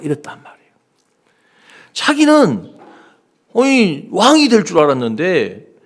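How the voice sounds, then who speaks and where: A man preaching a sermon as pastor, acting out the quoted speech of the figures he talks about. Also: high voice. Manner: animated preaching, acts out quoted lines.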